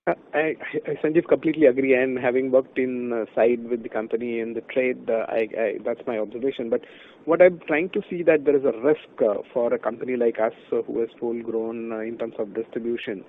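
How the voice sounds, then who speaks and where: A man's voice: medium pitch, steady tone, fairly quick. A man asking questions as an analyst on a conference call, hesitant and repeating words as he starts. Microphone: phone. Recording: tinny, noisy phone line.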